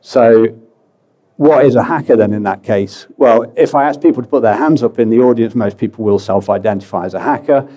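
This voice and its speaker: A British man giving a relaxed, chatty conference talk, full of fillers and self-deprecating asides. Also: mid-range voice, a little fast. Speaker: conference speaker. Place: conference hall.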